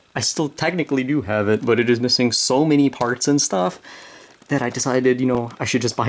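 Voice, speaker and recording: The voice is quiet. It moves at a very fast pace. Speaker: toy unboxing youtuber. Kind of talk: casual unboxing video.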